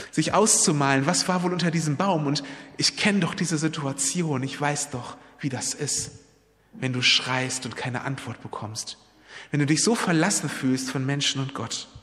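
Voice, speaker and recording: A man's voice: on the high side, fairly bright tone, big-room sound. A man preaching a sermon, retelling a Bible story in an earnest, personal way and appealing directly to his listeners.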